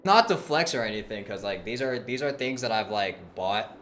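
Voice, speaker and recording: A man chatting casually on a livestream in an informal, halting, conversational way. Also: on the low side, expressive, a bit bright, slight background noise.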